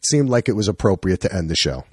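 Animated, cursing man hosting a podcast. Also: low-pitched, fast, breathy edge, no echo, clean studio sound. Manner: swearing, animated, rambling. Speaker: podcast host. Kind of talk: casual chat.

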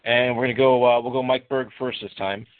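A man with a middle-pitched voice hosts a casual sports podcast, citing stats and steering the talk. The sound is dry and narrow, like a phone line. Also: steady tone, fairly quick, no room sound. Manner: numbers-driven, leads the questions. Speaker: podcast host.

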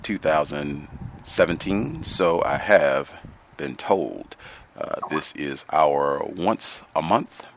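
A man hosting a call-in radio show, speaking in a measured way with frequent "uh" pauses between phrases. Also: a bass voice, a bit bright, slight background noise.

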